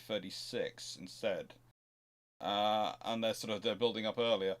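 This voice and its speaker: A man hosting an informal expert question-and-answer talk, discursive and often breaking off to rephrase his sentences as he thinks aloud. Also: lowish voice. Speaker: host answering viewers' history questions.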